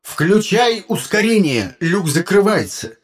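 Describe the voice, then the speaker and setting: A man voicing an anxious, excitable male shipmate who talks with urgency. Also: high voice, normal speed, breathy edge, pitched above the performer's own voice, heavily acted. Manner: urgent, fretful.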